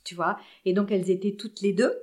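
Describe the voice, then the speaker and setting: A woman's voice: medium pitch, a little fast, darkish tone. A woman in her forties, a podcast guest, telling casual anecdotes in a chatty, hesitant way with many restarts.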